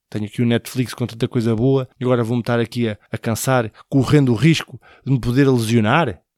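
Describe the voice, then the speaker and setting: This man talks at a fairly quick pace with a European Portuguese accent. His pitch sits in the medium range. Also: dry, close sound with no echo, very clean recording, silent background. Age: 40s. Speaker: podcast host. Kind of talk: casual comedic monologue. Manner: animated.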